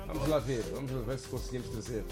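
A man's voice: medium pitch, steady tone, fast, warm tone, soft background music. A man hosting a call-in radio show. He is friendly and chatty and repeats what his callers say. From Mozambique. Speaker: radio host taking calls.

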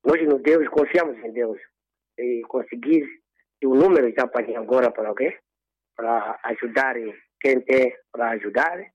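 Husky male caller on a dull phone line. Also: medium pitch, no room sound. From Mozambique. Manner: earnest, religious phrasing. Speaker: radio caller. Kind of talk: phone call to a radio show.

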